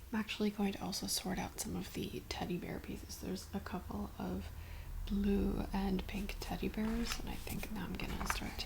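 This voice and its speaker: The voice is soft-spoken, at a moderate pace. Noticeable background noise is present. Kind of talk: ASMR puzzle ramble, casual talk.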